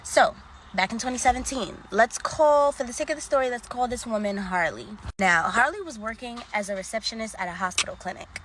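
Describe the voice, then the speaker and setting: A woman's voice: on the high side, fairly quick, fairly bright tone, slight background noise. A woman telling scary stories in a casual, chatty way and talking straight to her viewers like friends. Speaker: social media storyteller. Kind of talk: casual scary story time.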